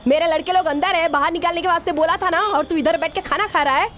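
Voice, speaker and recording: An actress dubbing a brash, bossy female gang boss who talks in rough street slang. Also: very high voice, fairly even intonation, quick pace, fairly bright tone, slight background noise. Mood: scolding. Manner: swaggering, rough street talk. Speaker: gang leader. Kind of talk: Hindi film dub.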